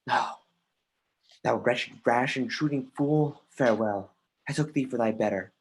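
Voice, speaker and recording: A husky, mid-pitched voice plays an anguished young prince in an actor's stage reading. The delivery is declamatory Shakespearean verse, accusing and scornful. It moves between muttering and outbursts, with the odd stumble over a line. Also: a little slow. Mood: agitated, accusing. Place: remote livestream from home.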